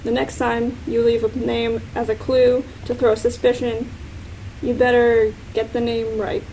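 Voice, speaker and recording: A woman's voice: a little high, level tone, unhurried, mellow, poor audio. A woman playing a composed, probing police inspector in an amateur radio-style mystery. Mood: triumphant. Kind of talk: amateur radio-play acting. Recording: faint background noise.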